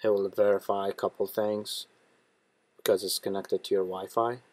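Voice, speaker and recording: A man hosting a step-by-step tech tutorial in a plain, steady instructional manner. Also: on the low side, normal speed. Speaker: tutorial host.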